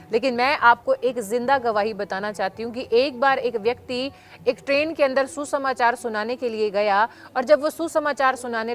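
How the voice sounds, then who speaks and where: A woman with a fairly high voice preaches to viewers watching a livestream. She talks in a fervent, urging way, calling on people to share and testify, and brings her stories to life by acting out the voices. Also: fairly bright tone. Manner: acts out voices in a story. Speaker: church presenter. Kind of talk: evangelistic sermon for a livestream.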